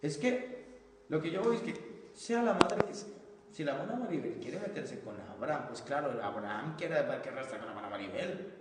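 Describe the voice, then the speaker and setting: A man's voice: mid-range voice, very animated, brisk. A man, a pastor, teaching church teachers in an earnest, conversational way, often calling his listeners brother. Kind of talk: informal church teaching talk. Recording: echoey hall, distant mic, faint noise.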